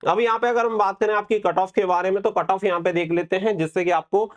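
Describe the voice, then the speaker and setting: A man's voice: high voice, fairly even intonation, fast. A man hosting an exam-prep update, explaining things to students step by step and repeating key points. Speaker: exam-prep channel host.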